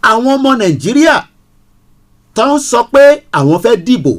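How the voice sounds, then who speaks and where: Impassioned Nigerian man with a lively pitch. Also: fast talker. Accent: Nigerian Yoruba. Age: 40s. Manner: switches between English and Yoruba, rhetorical questions, emphatic. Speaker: radio show host. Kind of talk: impassioned political radio talk.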